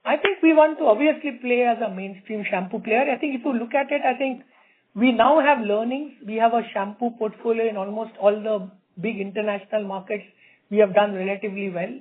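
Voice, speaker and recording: High-pitched Indian man on a phone line. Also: fairly quick. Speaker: company executive. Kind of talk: answering questions on an earnings call. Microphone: conference call line. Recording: tinny narrow phone-line sound.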